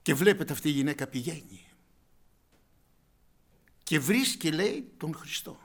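A man preaching a sermon, calling out loudly and then dropping to a hushed whisper, addressing his listeners as brothers and sisters. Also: fairly high pitch, big pitch swings. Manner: swings from loud exclamations to hushed whispers. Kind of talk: evangelical sermon.

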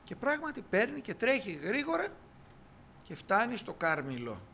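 A man's voice: sits high, wildly swooping pitch, gravelly, bright, forceful tone, a little hiss or hum. A man preaching a sermon, reading scripture aloud and retelling it with acted dialogue.

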